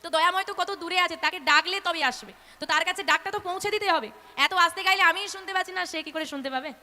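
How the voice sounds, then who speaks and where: Give me a high-voiced woman leading a Bengali kirtan, lively and urging, echoing through a hall over devotional music. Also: very fast. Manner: lively, urging the crowd to sing louder. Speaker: kirtan singer and preacher. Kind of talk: devotional kirtan sermon with call-and-response chanting. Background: kirtan music with tabla.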